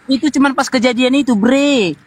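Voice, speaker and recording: A man's voice: very high-pitched, normal speed, slight background noise. A man defending himself in a heated debate, pleading and calling the other man "bre".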